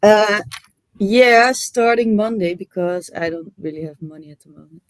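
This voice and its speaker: A woman keeping a livestream host company, chatting in a relaxed, hesitant way with plenty of fillers. Her voice comes through dry and close, with no room sound. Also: mid-range voice, unhurried, dry recording. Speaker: livestream guest. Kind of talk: casual chat.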